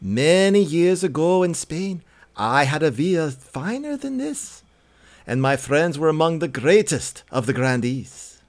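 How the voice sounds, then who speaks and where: A man's voice: a little high, very animated, unhurried. A man doing a courtly white-haired old gardener. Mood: courteous. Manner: courteous, soothing. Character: kindly white-haired old gardener, once a Spanish nobleman.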